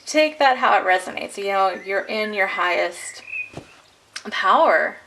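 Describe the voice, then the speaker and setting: A woman's voice: medium pitch, expressive, a little slow, creaky, sharp tone, slight background noise, rough recording. A woman giving a casual tarot card reading to camera, chatty and encouraging, laughing often, her voice a little worn. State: losing her voice. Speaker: tarot reader.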